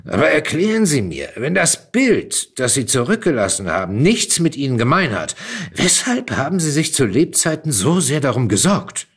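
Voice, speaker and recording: A man's voice: medium pitch, very animated, moderate pace, husky, voice pushed up. A man voicing a bitter, argumentative dead writer in a literary reading, with a pointed, combative delivery. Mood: challenging.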